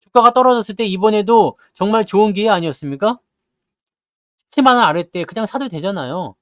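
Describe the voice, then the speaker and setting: A man giving casual stock market talk, scolding his viewers with blunt rhetorical questions and acting out their grumbling in quick asides. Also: high voice, dry recording, clean studio sound.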